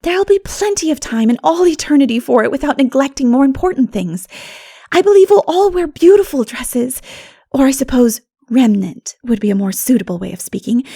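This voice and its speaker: Lady doing an imaginative young girl heroine, earnest, gushing, high voice, old novel reading. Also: gravelly, mellow, no room sound, studio quality, full character voice. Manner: earnest, rhapsodic.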